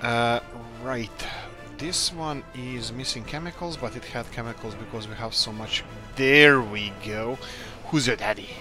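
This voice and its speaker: Male let's-player, mid-pitched, rambling upbeat self-talk, with game music clearly underneath. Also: measured pace. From Croatia. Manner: rambling, thinks aloud, upbeat muttering. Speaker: let's play host. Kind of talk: casual gameplay commentary.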